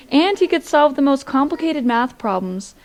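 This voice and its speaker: A woman's voice: high-pitched, animated, moderate pace. A young woman reading a story aloud to children in a library. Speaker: volunteer storybook reader. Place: public library, indoors.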